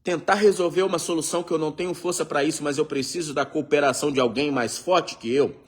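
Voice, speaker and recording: A man's voice: fairly high pitch, fairly even intonation, fast talker, breathy edge. A man preaching a sermon, reading scripture and acting out the dialogue for the congregation. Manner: reads scripture aloud and acts out the dialogue; addresses the congregation directly.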